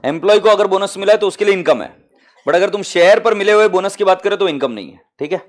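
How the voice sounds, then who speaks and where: A man's voice: sits high, animated, quick pace. A man with an Indian accent teaching accounting to a live class, mixing Hindi and English and calling students "beta" fondly.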